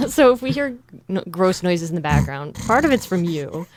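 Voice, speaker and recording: A woman's voice: fairly low pitch, big pitch swings, moderate pace, dry recording. A woman co-hosting a podcast in casual chat, with brief reactions and easy laughter. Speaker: podcast co-host.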